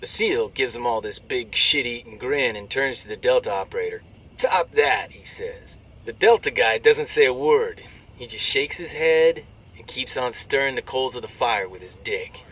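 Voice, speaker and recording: An actor playing a brash, crude army soldier telling jokes with swaggering military banter and drawn-out delivery. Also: male voice, mid-range voice, expressive, a bit bright, slightly rough, far from the mic, low-quality recording. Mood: cocky, joking. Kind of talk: military banter, performed joke storytelling.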